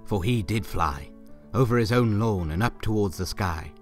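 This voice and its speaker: Low-voiced wry male storyteller. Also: moderate pace, a little mellow, soft background music. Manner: theatrical, wry, ornate phrasing. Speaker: narrator. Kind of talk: scripted storybook narration.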